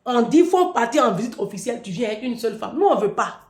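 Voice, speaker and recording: A woman's voice: a little high, animated, fast, darkish tone. A woman delivering a taunting, provocative vlog rant. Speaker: vlogger. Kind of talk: mocking monologue to camera. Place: room in France. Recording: echoey room.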